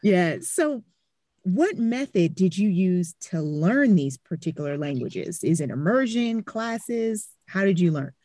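Low-voiced woman host asking questions. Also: measured pace, no echo, clean studio sound. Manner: relaxed, curious, asks follow-up questions. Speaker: podcast host. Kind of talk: casual interview chat.

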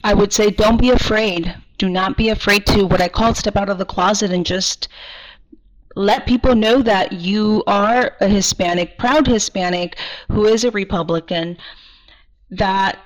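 A woman's voice: medium pitch, slow. A woman from Texas, answering interview questions in an earnest, emphatic way and repeating words as she restarts. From Texas, USA. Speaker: guest, party regional director. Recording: slightly muffled audio.

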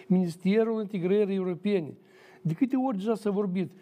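A man speaking as a guest on a studio political debate, measured and emphatic, repeating his points. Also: high voice, warm tone. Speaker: talk show guest, former judge.

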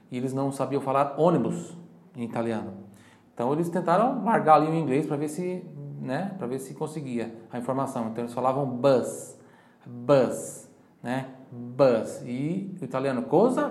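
A man with a Brazilian Portuguese accent teaching Italian, saying phrases slowly and loudly for repetition, then chatting quickly between drills. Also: mid-range voice, echoey room. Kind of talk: language lesson.

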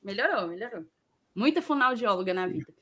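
A woman's voice: medium pitch, expressive, brisk, crowd noise. A woman with a Ceará accent from Northeastern Brazil and a slight lisp on her s sounds, chatting casually as a host reading viewer messages and repeating phrases for emphasis.

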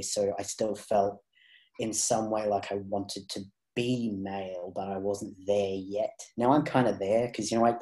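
A man's voice: on the low side, warm tone. A man sharing his personal story as a podcast guest, speaking thoughtfully with frequent restarts and fillers. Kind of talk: candid personal interview.

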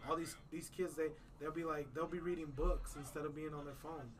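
A man's voice: a little high, steady tone, brisk, far from the mic, a crowd in the background. A man hosting a podcast in casual chat, laid-back and rambling, filling his talk with "man" and "you know". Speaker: podcast host.

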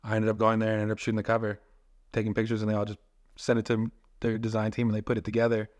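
A man's voice: lowish voice, completely flat delivery, fast talker. A young man, a filmmaker and photographer, talking casually as a podcast guest and telling long rambling stories. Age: young adult. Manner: casual, rambling storytelling with many "like" fillers.

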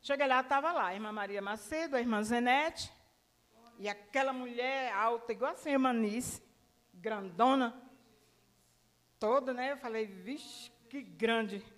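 High-voiced woman preaching in reverberant church. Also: moderate pace, pauses often. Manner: animated storytelling, acting out dialogue. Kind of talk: sermon testimony. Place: church hall.

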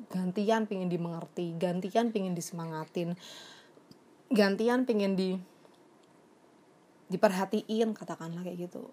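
A woman's voice: on the low side, darkish tone. A young woman who works as a psychologist, talking in a casual, reflective way and slipping English phrases into her speech. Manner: chatty and reflective, mixing in English phrases, many fillers. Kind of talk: casual confessional vlog.

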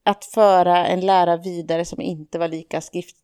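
A woman's voice: fairly low pitch, level tone, dark tone, clear, resonant tone. A woman co-hosting a podcast, thinking aloud in a casual reflective discussion, hesitant with many fillers and restarts. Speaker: podcast co-host.

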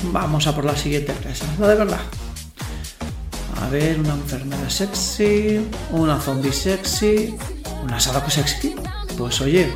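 A man's voice: fairly high pitch, vocal fry. An actor playing a cocky, lustful young man in a werewolf costume, narrating his night in slangy, self-mocking audio fiction. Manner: slangy, boastful, talks to himself. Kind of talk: first-person audio fiction narration with dialogue. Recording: roomy echo, faint music behind.

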